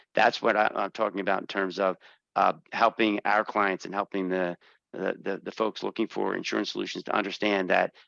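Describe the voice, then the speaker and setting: In an American accent, a bright, sharp voice with vocal fry speaks at a fairly quick pace in a monotone, flat intonation, recorded dry and close with no echo. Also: man, fairly low pitch for a man. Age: 60s. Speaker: insurance risk expert. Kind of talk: webcast panel discussion. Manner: halting, many fillers.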